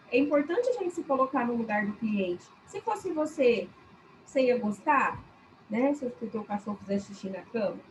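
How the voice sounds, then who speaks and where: A woman's voice: high voice, a little hiss or hum, poor audio. A woman teacher with a Brazilian Portuguese accent giving a chatty classroom lecture on customer service, often turning to the class and acting out short examples. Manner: chatty, addresses class as "gente", acts out examples.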